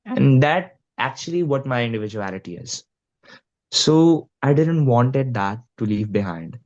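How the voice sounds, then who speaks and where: A man's voice: mid-range voice, expressive, measured pace, darkish tone, dull audio. A young man with an Indian Punjabi accent, a guest musician talking earnestly and casually, with lots of "you know" and "like". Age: young adult. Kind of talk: casual interview talk.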